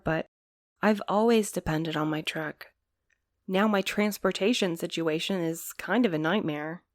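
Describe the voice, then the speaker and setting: A woman's voice: medium pitch, no echo, clean studio sound, natural voice. A woman playing a wry, put-upon mail courier in an audio drama, conversational and a little sardonic.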